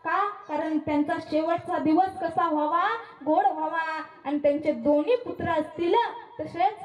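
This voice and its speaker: A woman's voice: extremely high pitch, fairly even intonation, normal speed, darkish tone. A woman kirtan preacher giving a devotional sermon at a memorial gathering, repeating her points with emphasis and addressing listeners as maharaj. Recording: echoey room with faint music.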